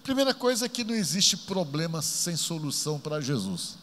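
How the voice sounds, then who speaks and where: A male pastor tells a Bible story from the pulpit with animated, dramatic emphasis. His voice sits high and sounds bright and forceful. A long reverb trails behind him in the church. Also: normal speed.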